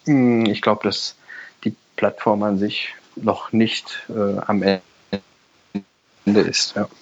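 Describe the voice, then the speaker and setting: A man's voice: fairly low pitch, little pitch movement, very slow, husky. A man in his mid-thirties co-hosting a podcast, speaking hesitantly with many fillers. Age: mid-30s. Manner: hesitant, many fillers, short backchannel replies. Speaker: podcast co-host. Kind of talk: casual chat. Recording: dull lo-fi sound.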